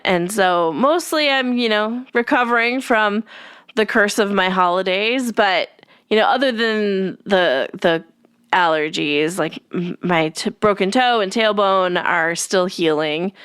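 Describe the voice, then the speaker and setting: A young woman hosts her podcast in a rambling, friendly chat full of "like"s and asides. Her voice is smooth and clear but a touch stuffy from allergies. The recording is close and dry, with no room sound. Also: medium pitch, expressive, measured pace, a bit bright, no echo. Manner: rambling, filler-heavy, friendly. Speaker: podcast host. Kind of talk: casual chatty podcast talk.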